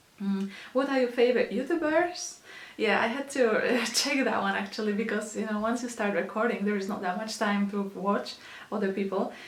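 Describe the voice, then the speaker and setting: The speaker has a Polish accent and talks at a fairly quick pace with ordinary pitch variation. Noticeable background noise and audible room echo fill the recording. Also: woman, fairly high pitch for a woman. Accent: Polish accent, working on it. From Poland, Krakow. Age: 20s. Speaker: beauty YouTuber. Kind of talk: Q&A vlog. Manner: halting, many fillers.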